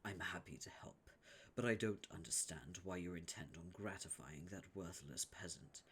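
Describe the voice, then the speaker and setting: A man voicing a stiff, haughty young male troll noble, speaking formally in a low, breathy hush. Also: moderate pace, heavily acted. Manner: formal, pompous diction, hushed breathy delivery.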